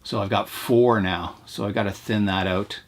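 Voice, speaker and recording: A man hosting his bonsai channel, talking casually while he works on a tree, his voice hoarse from talking too much. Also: on the low side, steady tone, moderate pace. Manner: rambling, chatty, talks while pruning. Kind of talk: casual narration while working.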